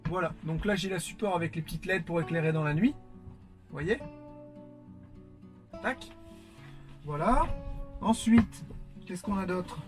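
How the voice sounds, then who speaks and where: Over music, a French man with a high voice takes his time unboxing, pausing often. The vlogger is chatty, fills his speech with fillers, and welcomes viewers warmly.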